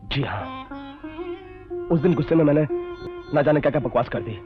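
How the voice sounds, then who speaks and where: A man plays a hot-headed young man in love, sulky one moment and contrite the next. His pitch swings widely, and the sound is dull, with a sitar-like string instrument faintly behind. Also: expressive, brisk, music in the background, close to an everyday voice. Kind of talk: 1980s film drama acting.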